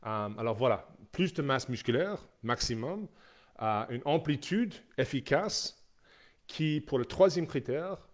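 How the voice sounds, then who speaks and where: A man's voice: mid-range voice, expressive, unhurried. A man, a strength coach giving a live Q&A presentation, hesitant, with many fillers and restarts. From Canada. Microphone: live stream.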